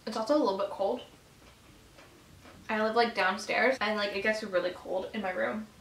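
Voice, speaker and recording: A woman in her twenties chatting casually to camera over a meal, informal and animated, chewing as she talks. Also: mid-range voice, moderate pace, creaky, a little hiss or hum. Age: 20s. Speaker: vlogger. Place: small bedroom, indoors. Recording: echoey room sound.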